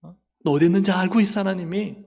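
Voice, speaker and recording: A man voicing a tempting male devil, speaking in a soft, soothing, reassuring murmur. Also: high voice, fast talker, gravelly. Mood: coaxing. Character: coaxing male devil lulling believers to complacency.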